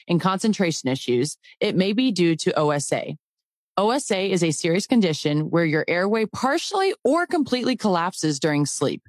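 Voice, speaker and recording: Woman, lower voice, calm measured ad read, dry close sound. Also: no room sound. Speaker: commercial voice-over. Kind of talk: scripted ad read.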